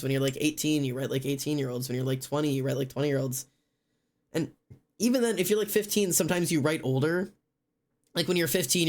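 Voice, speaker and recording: A man in his late twenties chatting casually and rambling as a streamer while drawing. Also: fairly high pitch. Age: late 20s. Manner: chatty, rambling, many fillers.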